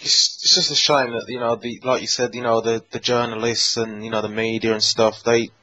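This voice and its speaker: A man's voice: mid-range voice, little pitch movement, fairly quick, pushed and bright. Male podcast interviewer, dull lo-fi sound. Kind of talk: casual interview chat. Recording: dull lo-fi call audio.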